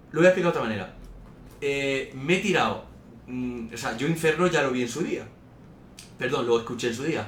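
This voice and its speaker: Speaking at a fairly quick pace in a Castilian accent, a man leaves long, frequent pauses, and audible room echo surrounds his voice. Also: fairly high pitch for a man, ordinary pitch variation. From Spain (Madrid area). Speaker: music podcast co-host. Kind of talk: casual chat.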